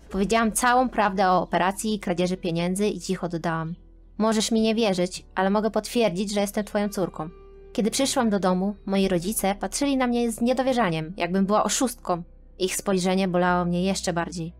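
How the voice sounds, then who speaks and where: Woman narrating a dramatic animated story. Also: medium pitch. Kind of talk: scripted first-person narration of an animated story. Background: faint background music.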